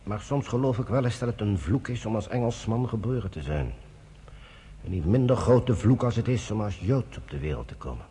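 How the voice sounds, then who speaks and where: An actor playing a troubled half-Jewish British general in a Dutch radio drama, talking in a brooding way that sinks into hushed whispers. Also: male voice, on the low side, expressive, brisk, slight background noise, natural voice. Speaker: general and narrator.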